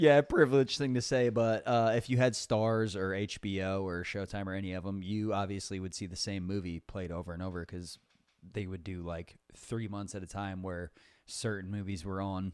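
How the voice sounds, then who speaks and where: An unremarkable speaking voice from a man, fairly low in pitch, at a moderate pace with ordinary pitch variation, in a very clean recording over a silent background. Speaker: movie podcast host. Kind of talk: casual chat.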